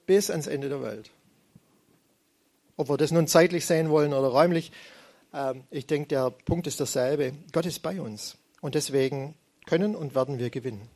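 Conversational male preacher, higher voice. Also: darkish tone. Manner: conversational storytelling, retells scripture in everyday speech. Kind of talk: sermon.

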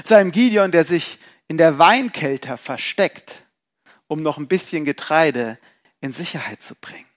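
A man preaching a sermon in a lively, rhetorical way, asking questions and acting out people's thoughts. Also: a little high, normal speed.

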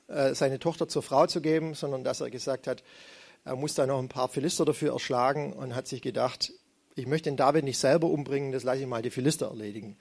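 A man's voice: mid-range voice, gravelly, a little mellow. A middle-aged man preaching a sermon, retelling scripture in a conversational, storytelling manner.

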